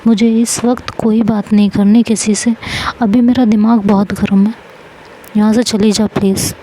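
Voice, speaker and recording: A woman voicing an angry, quick-tempered schoolgirl who throws insults and threats in a quarrel. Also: mid-range voice, little pitch movement, warm tone, slight background noise, natural voice. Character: angry hot-headed schoolgirl Ishu.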